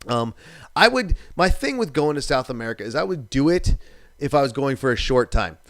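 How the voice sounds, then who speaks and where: A man's voice: medium pitch, very animated, brisk, a bit bright, no room sound, clean studio sound. A man in his thirties from New England, hosting a live stream in casual, rambling chat, swearing now and then and reading viewer comments aloud.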